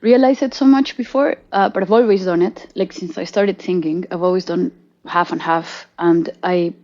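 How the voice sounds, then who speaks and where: A woman's voice: lowish voice, fairly even intonation, moderate pace, darkish tone, highs cut off. A woman from Colombia, a musician and native Spanish speaker, chatting casually in an interview and laughing easily. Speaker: musician guest.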